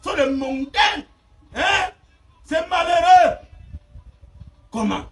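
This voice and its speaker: A man preaching a fiery sermon, shouting and laughing between phrases. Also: extremely high pitch, expressive, slow pace. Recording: distant mic with faint noise.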